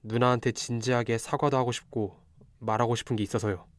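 A man's voice: mid-range voice, flat delivery, fairly quick, no echo, close to an everyday voice. A young man acting a polite but calculating amateur detective in a radio drama. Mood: apologetic. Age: young adult.

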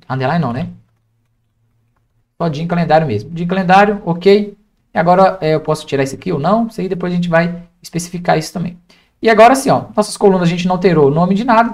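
A young man with a Brazilian accent giving an informal step-by-step software tutorial, often adding little checking tags as he explains. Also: high voice. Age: young adult. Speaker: data engineering instructor. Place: indoors at a computer, screen recording with webcam.

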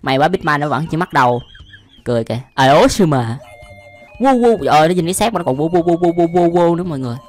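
Faint music sits behind a young man whose slightly high voice has lively intonation as he talks fast. He's a video host with a Southern Vietnamese accent, reacting in a slangy, casual style with lots of exclamations and laughter.

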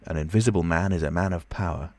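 A man's voice: sits low, quick pace, a little mellow, dry recording. A man voicing a commanding, menacing invisible man in an audiobook, speaking urgently and domineeringly. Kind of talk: audiobook character voice.

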